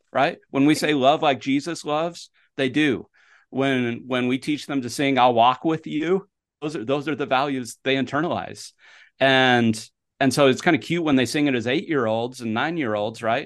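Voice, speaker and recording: Over a quiet background, a man with an ordinary speaking voice and a medium pitch talks at a moderate pace with ordinary pitch variation. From Utah, US (Sandy, Salt Lake suburb). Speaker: professor. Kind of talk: casual chat.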